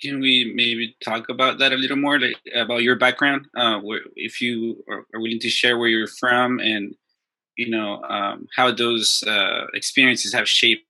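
A male interviewer asks his question hesitantly and gently, his voice flat in pitch yet very bright and sharp in tone. He sounds set back from the microphone. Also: normal speed, low-quality recording. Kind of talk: conversational interview.

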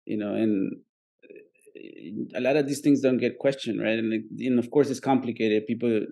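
A man's voice: medium pitch, fairly even intonation, warm tone. A man co-hosting a podcast who talks in a casual, rambling way and halts often on fillers. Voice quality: gravelly. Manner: rambling, halting with many fillers. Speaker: co-host.

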